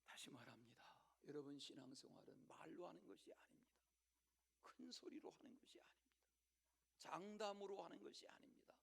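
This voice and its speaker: A man preaching in a church service with a high voice and a gravelly edge. He tells the story dramatically, rising to loud declarations and then dropping to a hushed whisper, and he keeps turning to address the congregation directly. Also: animated, fairly quick. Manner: direct repeated appeals to the congregation. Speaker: pastor. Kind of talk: Sunday sermon.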